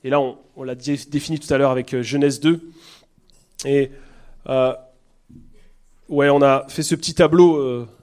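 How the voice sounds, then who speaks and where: A man with a southern French accent, giving a conversational Christian teaching on relationships, earnest and lively. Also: medium pitch, moderate pace, long pauses. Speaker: Christian speaker.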